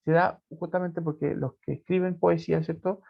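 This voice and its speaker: A male teacher gives an online lecture in a somewhat high, gravelly voice. He explains patiently and keeps checking that his students follow. The sound is dull and lo-fi, as from a video call. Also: fairly even intonation, moderate pace. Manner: explanatory, constantly checks in with "¿cierto?". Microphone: computer mic on a video call.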